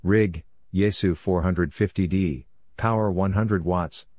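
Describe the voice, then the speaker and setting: Very deep-voiced man reading clipped radio lines. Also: unhurried, darkish tone, no room sound. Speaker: Morse code practice reader. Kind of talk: slow spoken reading of practice exchanges.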